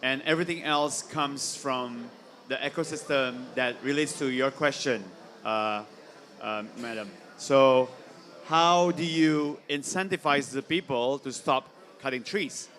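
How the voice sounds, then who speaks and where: A man on a panel answering audience questions in a measured, deliberate way. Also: medium pitch, fairly bright tone.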